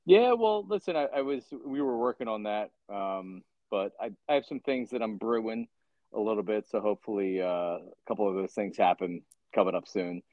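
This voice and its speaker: Middle-aged male guest, halting and emphatic, dry remote-call audio. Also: on the low side, dry recording, narrow, tinny audio. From Philadelphia area. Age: 50s. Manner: halting, repeats words, opinionated. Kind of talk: casual podcast chat.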